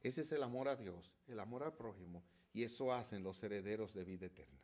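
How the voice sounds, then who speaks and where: A middle-aged male pastor delivers a sermon in a lowish, fairly quick voice. He swings between loud, emphatic stretches and hushed ones, posing rhetorical questions to the congregation.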